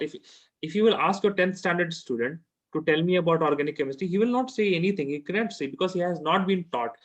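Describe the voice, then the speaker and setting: Casting: male chemistry teacher, South Asian accent, slightly raised pitch, informal one-to-one tutoring, repeats himself and checks in often. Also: lo-fi sound. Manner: repeats phrases, checks understanding with questions.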